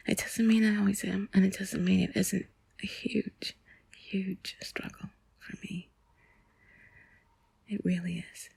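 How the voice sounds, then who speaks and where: A woman whispering softly and intimately in a breathy, husky voice, close to the mic, confiding in a rambling ASMR monologue. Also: mid-range voice, fairly even intonation, slow, pauses often, no room sound. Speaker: intimate audio host.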